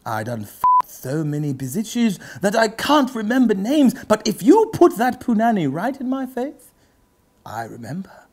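Man playing a pompous, wildly swooping gentleman orator. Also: sits high, huge pitch swings, full character voice. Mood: theatrical, savoring. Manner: pompous, theatrical, drawn-out pauses. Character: pompous aristocratic gentleman host, reciting rap lyrics theatrically. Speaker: comedy show host. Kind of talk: mock-literary dramatic reading. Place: book-lined indoor study set, seated.

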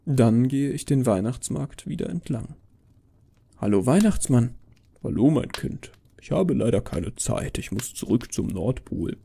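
A man's voice: mid-range voice, warm tone. A man reading a first-person horror story as a dramatic, scripted narration.

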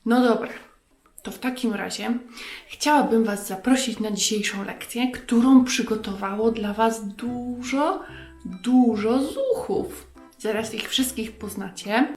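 A woman hosts a children's program in a playful, scripted manner. She speaks slowly in a slightly high voice. Music plays behind her. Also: a little mellow. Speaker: children's lesson host. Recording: echoey room, music behind.

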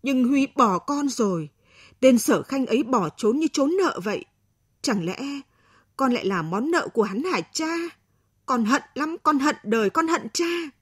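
Give me a woman voicing a bitter, defiant young student from an audio story. Her voice is high, sharp and rising. It is husky and dry. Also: animated, unhurried, dry recording, full character voice.

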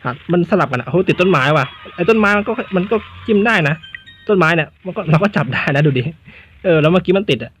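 A man's voice: high-pitched, lively intonation, quick pace, fairly bright tone, a little hiss or hum. A young man casually commenting on a mobile game, talking in a chatty, polite way and often breaking off and restarting his phrases. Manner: chatty, polite, self-interrupting.

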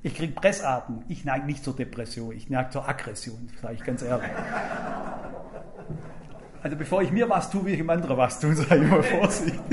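An older man preaching a sermon to a congregation, telling stories in a lively, emphatic way and acting out quoted speech. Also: on the high side, a little hiss or hum.

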